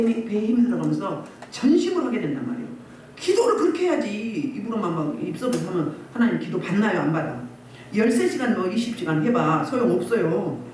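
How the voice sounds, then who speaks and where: Woman pastor, scolding sermon style; animated delivery, distant roomy recording with faint hiss. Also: medium pitch. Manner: scolding, exhorting, rhetorical questions. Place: church hall. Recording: echoey distant church recording, faint noise.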